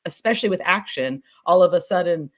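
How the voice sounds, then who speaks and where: A woman in a casual panel talk about production, speaking in an informal, animated, rambling way and often repeating words. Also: lowish voice, fairly quick. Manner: animated storytelling with mimicked sound effects and acted-out quotes. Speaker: scripted podcast producer on a panel.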